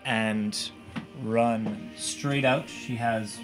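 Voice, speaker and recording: A man playing a tabletop game, talking in a hesitant, halting way with frequent restarts. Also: lowish voice, steady tone, music in the background. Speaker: player. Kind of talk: casual tabletop game chat.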